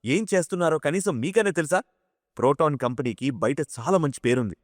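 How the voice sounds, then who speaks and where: Man playing a young new employee, indignant, scolding, slightly raised pitch, dry studio sound. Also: animated, fairly quick, dry recording, lightly acted. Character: righteous angry young male new employee. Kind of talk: audio drama acting.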